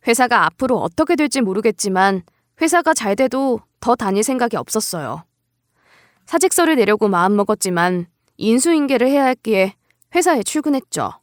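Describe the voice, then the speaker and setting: High-voiced woman narrating a story. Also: no room sound, studio quality. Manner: conversational, polite storytelling. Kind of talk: scripted first-person story narration.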